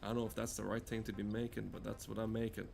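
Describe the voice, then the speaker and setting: A man giving rambling, sweary comedic game commentary in a halting, deadpan way. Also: lowish voice, vocal fry, slight background noise. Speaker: gameplay streamer.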